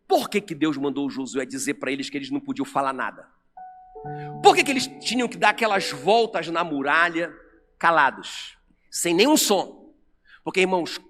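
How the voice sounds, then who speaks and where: A man with a Brazilian Portuguese accent preaching an animated sermon to a congregation in a church. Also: on the high side. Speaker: pastor. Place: church sanctuary. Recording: long church reverb with music under.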